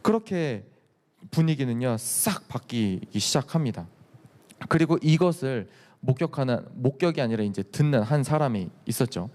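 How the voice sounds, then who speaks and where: A man preaching a sermon as youth pastor, telling the story in an animated way and acting out the quotes. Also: mid-range voice, normal speed. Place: church sanctuary. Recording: reverberant church hall.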